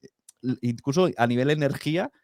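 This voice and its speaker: A man's voice: medium pitch, fairly quick, a little mellow, no room sound, clean studio sound. A man chatting informally as a podcast interviewer, often searching for his words. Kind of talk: casual chat.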